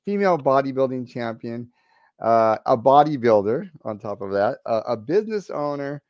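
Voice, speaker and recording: A man's voice: medium pitch, very animated, moderate pace, dry recording, dull audio. A man hosting a podcast interview, asking loose, rambling questions and restarting them often. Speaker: podcast host. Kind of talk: casual interview.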